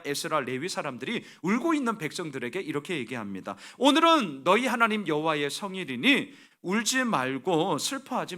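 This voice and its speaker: A male pastor preaching with a lively, swinging delivery, his voice rising high and then sinking low. His tone is bright and forceful, and he keeps asking rhetorical questions. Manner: emphatic preaching with rhetorical questions, acting out the people's weeping prayer. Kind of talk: sermon.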